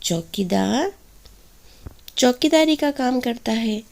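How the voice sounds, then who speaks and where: A woman primary teacher with a mid-range, dark-toned voice gives children a Hindi lesson. She sounds out every syllable slowly and asks the class to repeat after her.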